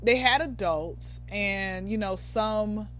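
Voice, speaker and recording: A woman's voice: medium pitch, slow pace, fairly bright tone, faint music behind. A woman in her thirties, a comedian guest on a podcast, talking loosely and rambling as she thinks aloud. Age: 30s. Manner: rambling, loses her train of thought. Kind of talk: casual podcast interview.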